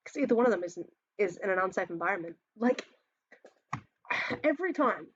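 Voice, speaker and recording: A man's voice: high-pitched, animated, moderate pace, fairly bright tone, slightly rough, muffled recording. An Australian trans man with a feminine-sounding voice, ranting casually while reacting to memes, swearing often and rambling between sighs and laughs. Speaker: reaction video host.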